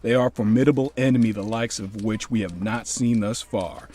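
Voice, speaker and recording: A man's voice: lowish voice, fairly even intonation, a little fast, dark tone, close to an everyday voice. A man playing a genial older American army officer in an audio drama, probing and commanding in a folksy, paternal way. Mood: grave.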